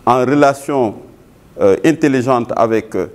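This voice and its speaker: A man from Senegal giving a formal interview as a local official, halting and repeating words as he searches. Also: medium pitch.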